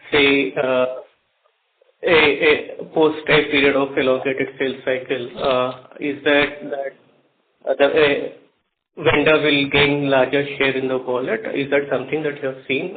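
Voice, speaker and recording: A man with a mid-pitched voice puts a question to management on an earnings call. He stumbles and fills the gaps with "uh". The phone line sounds tinny, with a faint hiss. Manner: halting, many fillers. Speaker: analyst asking a question.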